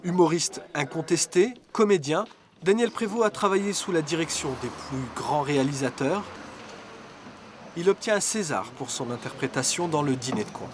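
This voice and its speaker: A man giving measured, scripted documentary voice-over. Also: a little high, lively intonation, slight background noise. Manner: measured, formal. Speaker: documentary narrator. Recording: voice-over with music underneath.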